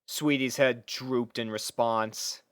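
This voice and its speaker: A man's voice: mid-range voice, steady tone, takes it slowly, smooth, no echo, clean studio sound. A man reading scripted story narration as the narrator of a piece of fiction.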